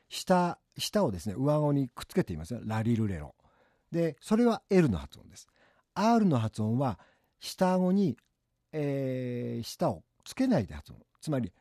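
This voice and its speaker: A man from Japan presenting a short English phrase lesson for a city hall, saying the model phrases slowly for listeners to repeat. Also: mid-range voice, mellow, studio quality.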